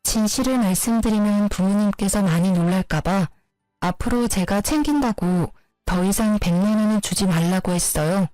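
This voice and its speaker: A woman tells a first-person story in a plain, even voice at a middle pitch. The sound is close and dry, with a faint music bed underneath. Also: normal speed, dry recording, low-quality recording. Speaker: narrator.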